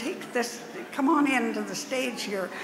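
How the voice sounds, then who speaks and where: A woman talks at a fairly slow pace. Noticeable background noise runs behind her. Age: 80s+. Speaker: former film actress and stunt double. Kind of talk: interview answer. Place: stage. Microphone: podium.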